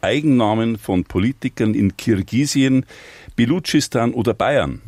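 A man hosting a radio talk show in the studio, chatty and relaxed, laughing easily. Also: mid-range voice, moderate pace, no room sound. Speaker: radio host. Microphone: studio microphone.

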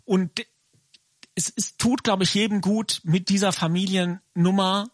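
A man's voice: high-pitched, fairly even intonation, a little slow, dry recording, studio quality. A man in his fifties speaking earnestly and emphatically from personal experience in a reflective discussion. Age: 50s.

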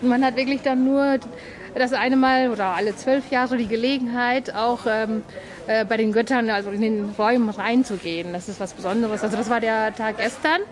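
A woman in her thirties with a slightly high voice talks hesitantly, pausing to find her words. A loud crowd is heard around her. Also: fairly even intonation. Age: 30s. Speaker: interviewee. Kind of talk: casual interview. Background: crowd chatter.

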